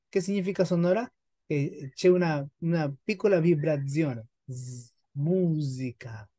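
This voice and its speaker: A woman teaching a beginners' Italian class, slowly modelling words and patiently repeating them for her students. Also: lowish voice, dark tone. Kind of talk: online language lesson.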